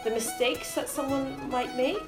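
A young woman folk musician from Sweden, raised in Norway, thoughtfully explaining her views on music. Her voice rings in a roomy space, and folk music plays clearly behind her. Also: sits high, fairly even intonation, measured pace. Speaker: folk musician, mandola player. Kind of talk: casual interview talk.

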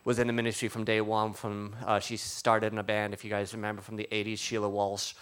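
Smooth, lowish-voiced man giving testimony. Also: monotone, brisk, a bit bright. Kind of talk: informal personal testimony.

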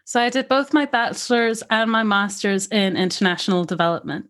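A woman who grew up in Africa, with an accent that mixes American, British and Scottish traces, telling her life story lively in an interview and laughing often. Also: mid-range voice, fairly quick. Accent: mixed, with American, British and Scottish traces. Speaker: podcast guest. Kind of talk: conversational interview.

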